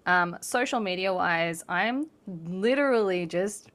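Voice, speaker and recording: A woman's voice: lowish voice, lively intonation, slow, a bit bright. A woman, co-hosting a podcast in a rambling, chatty way and laughing often. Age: late 20s. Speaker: podcast co-host, developmental psychology academic. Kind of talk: casual chat.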